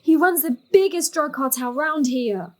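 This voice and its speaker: An actress playing an earnest, practical young daughter and granddaughter in a naturalistic drama. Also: female voice, high voice, unhurried. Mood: alarmed, warning.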